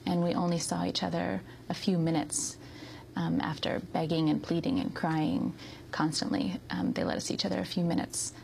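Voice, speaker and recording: Soft-spoken gravelly woman. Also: fairly low pitch, moderate pace, slight background noise. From United States. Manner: hesitant, with many ums and soft laughs. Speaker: interview guest. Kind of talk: soft-spoken interview answers.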